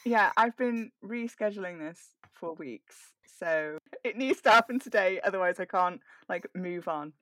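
A woman's voice: fairly low pitch, animated, unhurried, few pauses, a bit bright, no echo. A woman chatting casually and wryly as she hosts a group session. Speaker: host organising an audio drama table read. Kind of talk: casual chat.

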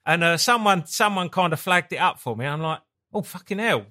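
A man's voice: on the high side, fairly quick, sharp tone. A man with an Essex accent talking casually as an interview guest, sweary, colloquial and rambling. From Essex, England. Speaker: guest, punk band singer.

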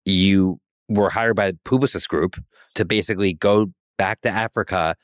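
Male podcast interviewer; very low voice, dry booth sound, long setup questions, short nods. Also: moderate pace, no echo. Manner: brief affirmations, long recapping questions. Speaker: podcast host.

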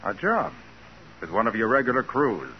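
An actor playing a cool, daring private detective with an American accent, confident and unruffled in 1940s radio crime drama style. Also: male voice, medium pitch, big pitch swings, moderate pace, close to an everyday voice. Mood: businesslike. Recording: dull, noisy 1940s radio recording.

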